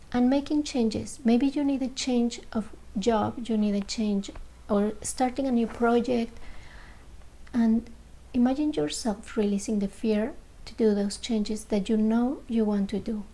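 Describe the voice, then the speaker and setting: A woman guiding a meditation in a slow, gentle voice, pausing between short phrases. Her voice sits a little high but sounds warm and mellow. It has a gravelly, fry-touched edge, and at times she drops to a soft near-whisper. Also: rough recording. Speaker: meditation guide. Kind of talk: guided meditation.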